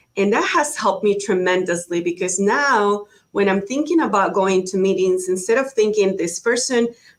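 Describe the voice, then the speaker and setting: Speaking with a Spanish accent, a woman keeps a moderate pace and very even loudness, her medium-pitched voice showing ordinary pitch variation. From Ecuador. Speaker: leadership panelist, army veteran. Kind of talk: panel discussion.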